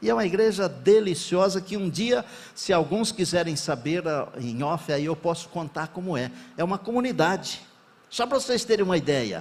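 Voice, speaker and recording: A man talks at a moderate pace with lively intonation. His pitch is high for a man. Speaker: pastor. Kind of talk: sermon.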